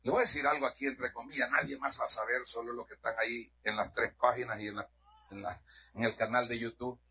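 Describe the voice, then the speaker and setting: A middle-aged man from Honduras preaching a sermon in a church. He is fervent, shouts at his peaks and drops to hushed asides. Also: mid-range voice, fairly even intonation, fast talker, breathy edge. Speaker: pastor.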